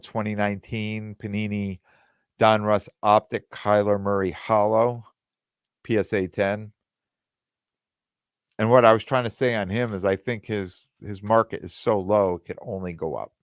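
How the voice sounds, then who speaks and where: Low-voiced man rambling on his podcast. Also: steady tone, moderate pace, clear, resonant tone, dry recording, studio quality. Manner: rambling, with many fillers and restarts; quotes other people in dialogue. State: losing his voice. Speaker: podcast host. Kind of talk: casual solo podcast talk.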